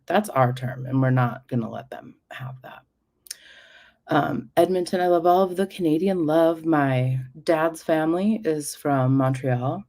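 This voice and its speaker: A woman's voice: deep voice, a little mellow. A woman hosting a casual livestream, rambling and chatty as she drifts from one topic to the next. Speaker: livestream host.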